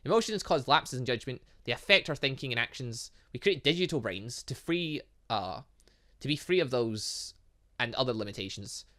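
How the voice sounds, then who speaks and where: A scientist father read out by a man explains patiently in a visual novel. The voice is bright and measured, like a lecture, with lively turns of pitch. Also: close to an everyday voice. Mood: explanatory. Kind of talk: reading visual novel dialogue aloud.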